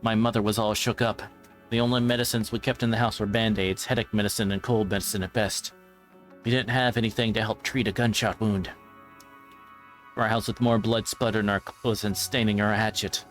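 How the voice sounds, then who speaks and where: A man's voice: lowish voice, level tone, a little fast. A man reading visual novel narration aloud, now and then stumbling over the text and repeating phrases. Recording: music behind the voice. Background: music.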